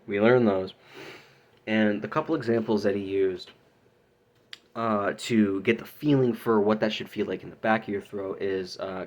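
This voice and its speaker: A man talking casually in a practice diary, explaining things in a halting, rambling way. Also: fairly low pitch. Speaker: student vlogger learning harsh vocal technique.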